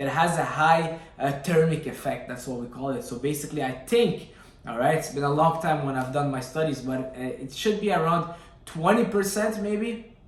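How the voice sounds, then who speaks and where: Lively intonation from a man at a fairly high pitch, with audible room echo and noticeable background noise. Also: moderate pace. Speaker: fitness youtuber. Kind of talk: casual tutorial to camera.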